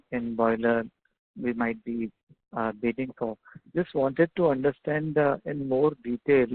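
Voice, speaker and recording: An Indian-accented man calls in over a narrow phone line as an analyst. His delivery is halting and flat, with a gravelly creak in his voice, as he puts questions on an earnings call. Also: mid-range voice. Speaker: analyst caller.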